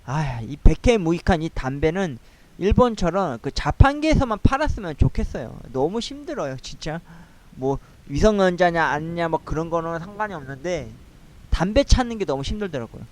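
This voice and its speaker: A man with a fairly high voice talks alone at his home computer in a loose, casual monologue. He rambles and hesitates, filling pauses with long drawn-out fillers. He records on a cheap desktop microphone. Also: very animated, a little mellow. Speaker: vlogger.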